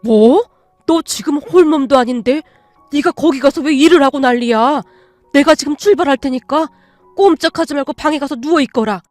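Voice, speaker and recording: A woman's voice: on the high side, moderate pace, a little mellow, no echo, soft background music, natural voice. A woman voicing an angry, protective older father-in-law who scolds in a raised voice. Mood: stern, indignant.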